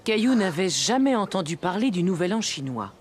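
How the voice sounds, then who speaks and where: A woman's voice: medium pitch, sing-song, fairly quick, slight background noise, lightly acted. A woman performing as a kindly storybook narrator for a French children's cartoon. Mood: storytelling.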